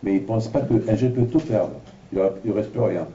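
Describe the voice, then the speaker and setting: A man with a very mellow, dark voice delivers a Torah lesson, slipping into lively storytelling. He sounds set back from the mic in a roomy hall. The recording is dull and lo-fi. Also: fairly low pitch, brisk, a little hiss or hum. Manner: animated storyteller, acting out voices in his anecdotes. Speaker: rabbi teaching a class. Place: large room at an evening lecture. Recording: dull, lo-fi, from a distance in an echoey room.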